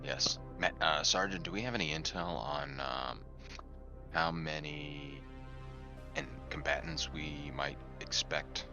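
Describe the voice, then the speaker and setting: A man's voice: extremely low pitch, expressive, slow, gravelly. A man playing a tabletop roleplaying game, asking questions casually and partly in character. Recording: dull lo-fi audio with music behind.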